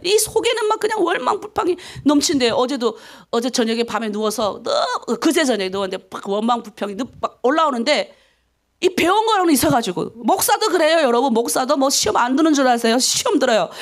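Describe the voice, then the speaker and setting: A middle-aged woman pastor from North Korea with a North Korean accent delivers a dawn prayer sermon. Her voice is high and very expressive, with pitch leaping up and down. She moves between loud, animated passages and hushed, near-whispered ones.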